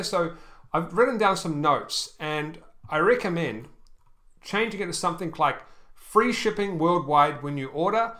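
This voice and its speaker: Sharing his screen, a man critiques an online store in a relaxed but stop-start way, peppered with ums and restarts. He often checks in with "okay?", using a sharp-toned voice on the high side.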